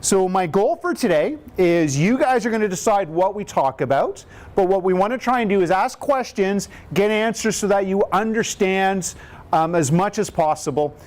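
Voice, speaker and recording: Fifty-something male educator, booming and conversational, pitched a touch high. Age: 50s. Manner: upbeat, conversational, explains step by step. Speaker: cardiac rehab educator. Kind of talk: informal educational Q&A talk.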